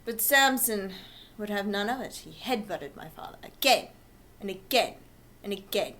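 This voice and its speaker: A woman's voice: medium pitch, expressive, moderate pace, a bit bright, a little hiss or hum, voice pushed down, natural voice. A woman playing a gossipy, scandalized storyteller, drawing out a comic monologue dramatically. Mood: dramatic, aghast. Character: scandalized storyteller recounting father's sordid small-town secret. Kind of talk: comedic character monologue.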